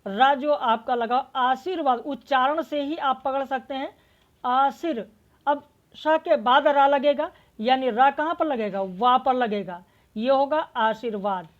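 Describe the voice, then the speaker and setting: A woman's voice: sits high, highs cut off. A woman teaching an exam-prep language lesson. She explains word meanings and spellings step by step, asks questions and answers them herself. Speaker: Hindi literature teacher.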